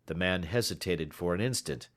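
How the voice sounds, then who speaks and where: A man narrating a classic story in an expressive reading voice. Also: low voice, normal speed. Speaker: audiobook reader.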